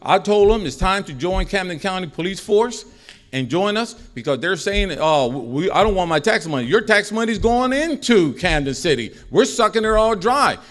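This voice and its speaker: Standing at the podium mic, a middle-aged man gives a public comment to a school board that wanders and circles back on itself, getting more heated as it goes. His voice is high and expressive, moving at a normal pace.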